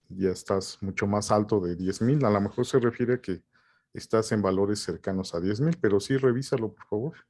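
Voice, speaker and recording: A professor with a Mexican Spanish accent questions a student over a video call and then wraps up a seminar with closing remarks. His fairly low, warm voice stays probing and measured.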